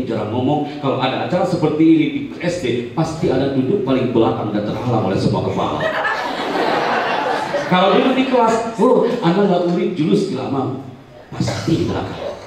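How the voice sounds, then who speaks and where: A man's voice: mid-range voice, big pitch swings, brisk, noisy background. A man telling a dramatic personal story as a motivational seminar speaker. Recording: echoey hall, distant mic.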